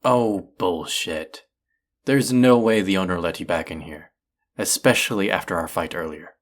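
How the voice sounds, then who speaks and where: A man's voice: deep voice, moderate pace, natural voice. A man playing a proud, combative restaurant chef in an audio roleplay, indignant, condescending and sarcastic as he argues. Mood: angry, defensive. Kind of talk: audio roleplay acting, one-sided dialogue.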